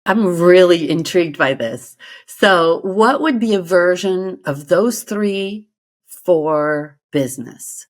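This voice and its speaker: Woman host, French native speaker, curious questions, lowish pitch. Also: animated, takes it slowly. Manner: curious, asks follow-up questions. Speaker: podcast host. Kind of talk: casual interview chat.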